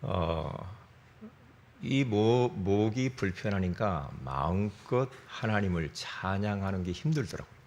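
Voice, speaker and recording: Animated Korean pastor preaching slowly. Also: male voice, lowish voice, a little hiss or hum. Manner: lively storytelling with interjections and self-corrections. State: strained throat. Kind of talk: sermon.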